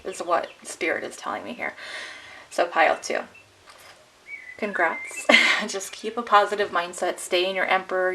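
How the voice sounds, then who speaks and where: A woman's voice: mid-range voice, gravelly, a bit bright, low-quality recording. Woman reading tarot for her viewers, chatty and upbeat, voice kinda worn out, bit of faint hiss behind. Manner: chatty, encouraging, laughs often. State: losing her voice. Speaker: tarot reader. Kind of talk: casual tarot card reading to camera.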